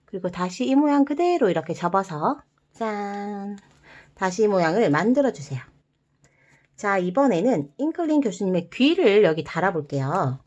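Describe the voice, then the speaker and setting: A woman guiding viewers through a paper-folding craft step by step, gentle and encouraging, with playful sound words. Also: medium pitch. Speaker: origami instructor.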